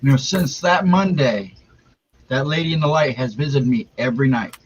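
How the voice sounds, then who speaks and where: A man's voice: mid-range voice, moderate pace. A middle-aged man joining a casual livestream as a guest, speaking in a laid-back, teasing manner. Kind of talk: casual live chat. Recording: dull lo-fi mic with faint noise.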